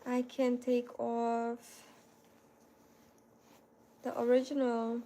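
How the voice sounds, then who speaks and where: A woman in her thirties talks casually to her viewers. Her voice sits a little higher than most women's. She keeps a loose, chatty flow, full of "like" and "you know". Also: monotone, drawn-out words, mellow, rough recording. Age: 30s. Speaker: content creator. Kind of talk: casual livestream chat answering viewers.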